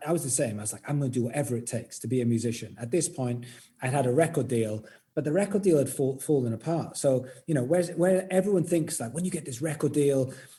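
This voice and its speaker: With a British accent, a man talks at a very fast pace in a fairly high pitch, his tone dark, mellow and somewhat breathy, with ordinary pitch variation. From Wales. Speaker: music industry educator. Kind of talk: interview.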